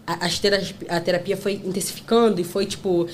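A woman's voice: lowish voice, steady tone, quick pace, slight background noise. A woman chatting as a podcast guest, telling stories with lots of fillers, acting out quotes and breaking into laughter. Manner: chatty storytelling full of fillers. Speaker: podcast guest, content creator. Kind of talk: casual chat.

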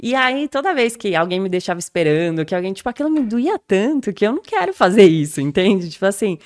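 A woman's voice: mid-range voice, fast, dry recording. A woman, a podcast guest chatting casually and telling stories with lots of laughs and fillers. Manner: animated storyteller, laughs often, many fillers. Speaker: guest neuropsychologist.

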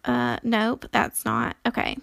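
A woman reads book passages aloud from her home in a relaxed, unscripted way. Her voice sits a little high and has a gravelly edge. She fills her pauses with ums and restarts, and the recording is close and dry. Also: dry recording. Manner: reads aloud with frequent fillers and self-corrections. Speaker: reader presenting history from books. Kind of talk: casual reading aloud with asides. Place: home room.

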